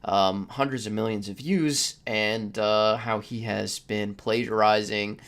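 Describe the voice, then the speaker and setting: A man hosting a casual podcast, speaking in a halting, stop-start way. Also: on the low side, fairly even intonation, fairly bright tone. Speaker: podcast host.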